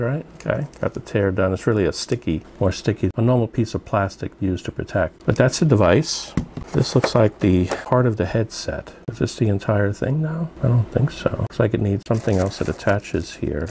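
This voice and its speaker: A man's voice: low voice, darkish tone, slight background noise. A man giving casual unboxing commentary as a product reviewer, musing aloud to himself as he goes.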